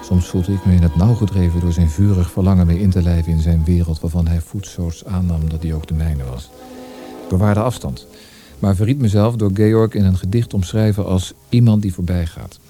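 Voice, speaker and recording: A reflective young poet in a radio play, acted by a man. The voice is lowish and very warm, with no edge at all. He speaks with measured, polite reserve over faint music. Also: steady tone, natural voice. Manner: measured, courteous, somewhat hesitant. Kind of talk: Dutch radio drama acting and narration.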